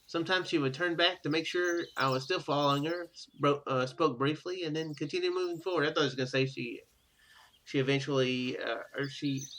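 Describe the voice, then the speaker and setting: Bright-voiced man reading game text aloud. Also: fairly high pitch, a little hiss or hum. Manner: ad-libs offhand remarks, casual and informal. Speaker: gaming video host playing a visual novel.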